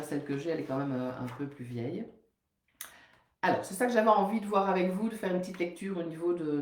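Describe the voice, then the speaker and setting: A woman with a soothing, mellow voice gives a relaxed live talk as a dietitian, slipping between loose chat and steadily read passages. The sound is roomy, with a clear echo around her. Her tone stays soft and dark rather than bright. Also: fairly low pitch.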